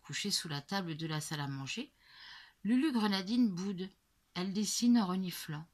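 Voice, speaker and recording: A woman reading a children's story aloud, slow and expressive, often dropping to a whisper. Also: medium pitch.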